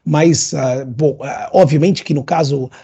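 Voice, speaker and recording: Man, European Portuguese accent, high-pitched, mellow dark tone, animated with fillers, dull lo-fi sound. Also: a little slow, vocal fry, slightly rough. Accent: European Portuguese, adapted toward Brazilian. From northern Portugal. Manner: animated, many fillers and asides. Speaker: guest, LinkedIn consultant. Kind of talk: casual interview chat.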